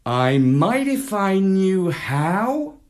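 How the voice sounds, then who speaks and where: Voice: medium pitch, sing-song, very slow, pitched above the performer's own voice. A storyteller voicing a cheerful, boastful male space adventurer in a children's story. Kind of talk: storybook read-aloud.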